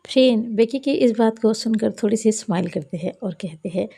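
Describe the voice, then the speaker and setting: A woman's voice: fairly high pitch, moderate pace, creaky, dark tone, husky. A woman narrating a romance story recap, reading every character's lines in her own narrating voice.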